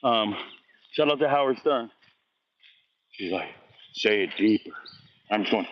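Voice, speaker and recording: Running a high school football recruiting vlog, a man replies to viewer comments after a workout, casual and blunt with slangy trash talk. His voice is on the low side, animated and a little slow, recorded lo-fi with no room sound.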